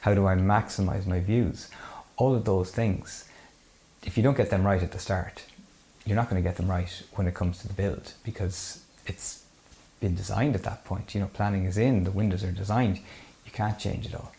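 Deep-voiced west of Ireland man, slightly gravelly. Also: fairly even intonation, moderate pace, warm tone. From County Mayo, west of Ireland. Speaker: architect, interview guest. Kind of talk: conversational explanation.

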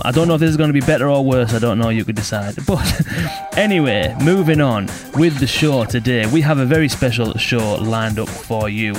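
A man with a cold hosts a podcast, and his voice comes out croaky. He talks in an upbeat, welcoming way, and clear music runs under his voice. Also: medium pitch. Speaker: podcast host. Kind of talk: podcast interview.

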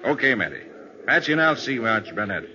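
An assured private detective in an old radio crime serial. He speaks with forceful, widely swinging intonation and brisk authority, through a dull vintage recording. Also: mid-range voice, big pitch swings, a little hiss or hum. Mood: assured, probing. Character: confident, commanding male private detective. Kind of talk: 1940s radio crime drama acting.

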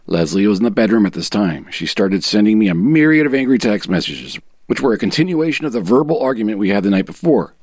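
A man voicing an aggrieved husband in a dramatic reading of a sworn legal statement, measured, formal and self-righteous. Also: on the low side, very animated, a little mellow, no echo.

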